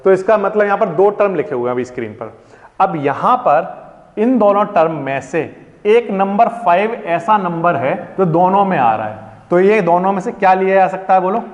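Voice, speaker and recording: A man teaches maths to a class in Hindi peppered with English, posing questions to his pupils and supplying the answers himself. His voice sits high and animated at a moderate pace. The classroom recording sounds dull and echoey.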